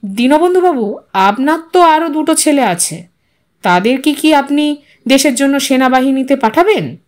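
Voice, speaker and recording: A woman plays a pushy TV newsman in an audio story. The voice is high and lively, with polished, insistent questioning. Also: normal speed. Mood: probing, insistent. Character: brisk, pushy male television news reporter.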